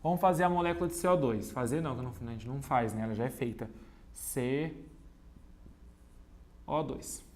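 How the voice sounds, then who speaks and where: He has a medium-pitched voice, a moderate pace, and long pauses while teaching chemistry on video at a digital whiteboard. Talking directly to his students, he repeats key points step by step and teases himself with playful jokes between explanations.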